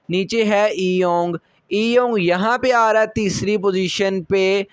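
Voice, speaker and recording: Patient high-voiced male teacher. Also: smooth, dry recording. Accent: Pakistani Urdu. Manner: patient, repeats each syllable slowly, frequent checks of understanding. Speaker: language teacher. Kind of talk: step-by-step classroom lecture.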